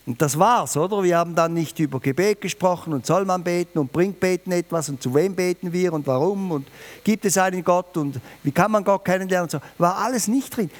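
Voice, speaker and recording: Man, preacher, sermon, emphatic, lively delivery, somewhat high voice. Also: brisk. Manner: lively, emphatic, varies pitch and volume, addresses listeners directly.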